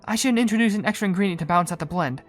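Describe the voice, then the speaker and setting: A woman's voice: medium pitch, very fast, faint music behind, close to an everyday voice. Woman as an earnest, studious young perfumer. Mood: earnest, polite. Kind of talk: cartoon game dialogue read aloud.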